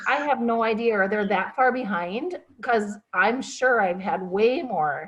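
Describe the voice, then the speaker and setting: A woman's plain, everyday voice, fairly high in pitch, with lively intonation. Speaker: fitness coach. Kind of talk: casual chat.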